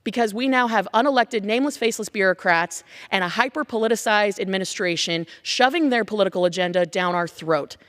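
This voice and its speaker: A congresswoman giving a forceful, rhetorical floor speech in a large legislative chamber, building her case with repeated phrases. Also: mid-range voice, a little fast, hardly any pauses.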